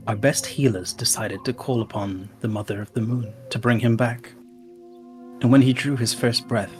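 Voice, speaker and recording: A man in a tabletop game session tells a dark legend in character. His low voice moves slowly and dramatically, leaning into the ominous moments, with faint music underneath. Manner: slow, dramatic, ominous storyteller delivery. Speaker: player.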